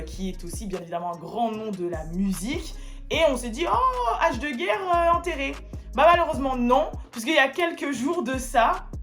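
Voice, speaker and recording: Chatty woman gossip vlogger. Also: medium pitch. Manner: chatty, full of fillers. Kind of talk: casual gossip chat.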